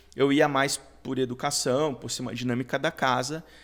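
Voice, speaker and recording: A man with a slight Rio de Janeiro accent, medium pitch, and a moderate pace. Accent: slight carioca. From Rio de Janeiro, Brazil. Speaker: pastor. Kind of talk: podcast interview.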